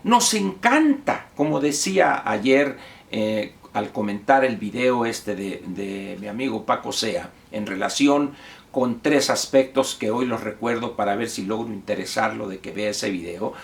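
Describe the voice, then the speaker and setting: A man's voice: on the low side, expressive, a little slow, vocal fry. A man with a Mexican accent giving a lecturing monologue of commentary, posing rhetorical questions to the viewer. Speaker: political commentator.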